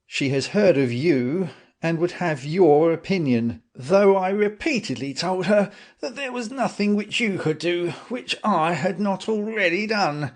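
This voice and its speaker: A man voicing a self-assured police inspector, slow and pompous in a raised voice. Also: high voice, lively intonation, voice pushed up. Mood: smug.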